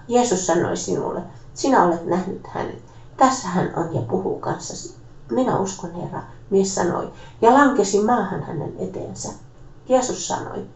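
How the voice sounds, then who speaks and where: A woman reading Bible passages aloud in a steady, measured way, now and then correcting a slipped word. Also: medium pitch. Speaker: scripture reader. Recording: echoey, dull lo-fi room sound.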